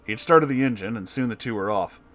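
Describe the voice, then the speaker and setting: A man's voice: medium pitch, animated, fast talker, fairly bright tone. A man narrating a comedic story in a dramatic, amused reading style. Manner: amused, breaking into laughing asides.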